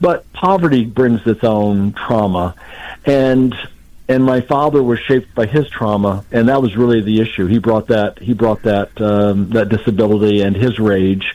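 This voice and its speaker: With an American accent, a man of medium pitch speaks in a dark, mellow tone at a moderate pace. His pitch varies in an ordinary way and his loudness stays very even. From US Midwest, Kankakee, Illinois. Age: 70s. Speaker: author. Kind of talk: interview. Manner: halting, repeats words.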